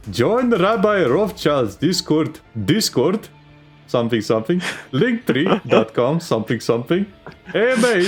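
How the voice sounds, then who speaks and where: A man doing a put-on Indian accent as a boastful, overexcited spam-bot salesman, voice raised and sing-song. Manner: higher, sing-song, rising to shouts.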